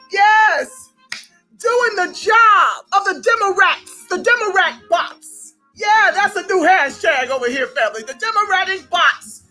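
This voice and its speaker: Woman host, rallying commentary, very high voice, faint music under it. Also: poor audio. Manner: animated, rallying, addresses listeners as family. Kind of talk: online commentary show.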